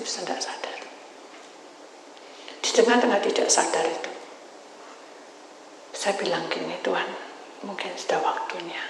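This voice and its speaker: Dramatic preaching woman in echoey hall. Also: fairly low pitch. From Indonesia. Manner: dramatic storytelling, swings between loud cries and whispers. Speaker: pastor. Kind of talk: sermon with personal testimony. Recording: echoey hall with long reverb, faint noise.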